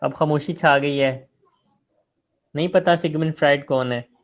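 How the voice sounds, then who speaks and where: A man's voice: a little high, unhurried, lo-fi sound. A man giving an online class lecture, chiding and teasing his students.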